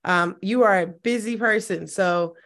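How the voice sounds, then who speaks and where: A woman hosting a casual podcast interview, hoarse and scratchy after losing her voice, laughing often and poking fun at herself. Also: mid-range voice, measured pace, a bit bright. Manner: laughs often, self-deprecating. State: hoarse, lost voice. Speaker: podcast host.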